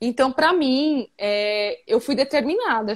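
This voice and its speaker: High-pitched woman's voice with very wide pitch swings. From Brazil, Alagoas (Northeast). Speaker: yoga teacher. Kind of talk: interview, live video chat. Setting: live video call. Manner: halting, many repetitions.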